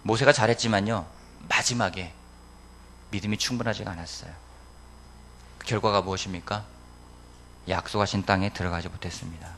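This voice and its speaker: A man's voice: fairly low pitch, fairly even intonation, a little fast, long pauses, a bit bright, a little hiss or hum. A male pastor preaching a sermon, often asking the congregation questions and answering them himself. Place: church sanctuary.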